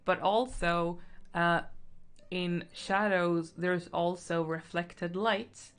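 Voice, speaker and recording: A young woman streaming while she paints, chatting casually and thinking out loud, with lots of fillers and giggles. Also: fairly low pitch, steady tone, very slow. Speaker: artist streaming a painting session. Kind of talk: casual stream-of-consciousness chat. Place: indoors at home. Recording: faint background music.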